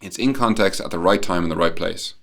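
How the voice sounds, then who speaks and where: A man presenting a prepared talk as a conference speaker, explaining points clearly with emphasis and rhetorical questions. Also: deep voice, a little fast, a bit bright. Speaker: conference speaker, company employee.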